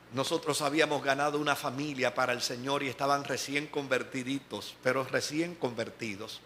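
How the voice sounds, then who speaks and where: A Dominican pastor with a Dominican Spanish accent shares his testimony in a church sermon, storytelling and performing the quoted dialogue of the people involved. His medium-pitched voice has a sharp tone, and there is a little hiss or hum.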